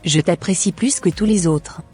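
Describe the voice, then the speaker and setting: A woman voicing a proud, flattering team leader in a scripted Christian animation, with a formal, self-satisfied manner. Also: fairly low pitch, normal speed, soft background music, natural voice.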